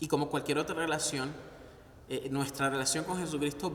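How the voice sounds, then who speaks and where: A man speaks with a Venezuelan accent at a fairly high pitch for a man, his intonation fairly even. Noticeable background noise and audible room echo fill the recording. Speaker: pastor. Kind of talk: sermon. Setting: online video broadcast. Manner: halting.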